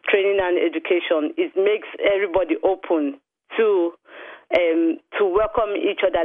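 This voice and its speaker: A woman's voice: fairly low pitch, no room sound. A woman from Nigeria with a Nigerian accent, speaking earnestly as a guest on a phone-in radio interview. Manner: earnest, steady, with some restarts. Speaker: radio guest from a community group. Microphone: telephone. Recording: tinny phone line, dry.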